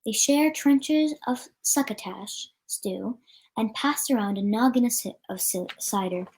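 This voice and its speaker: A woman's voice: fairly high pitch, unhurried, a little mellow, low-quality recording. A woman reading a children's story aloud as a storyteller, with an occasional stumble over the words.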